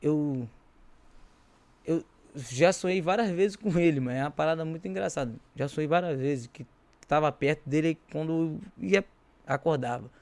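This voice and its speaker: Slangy and informal, a Brazilian-accented interview guest spins animated stories in casual conversation. He speaks at a moderate pace in a slightly high, somewhat mellow voice.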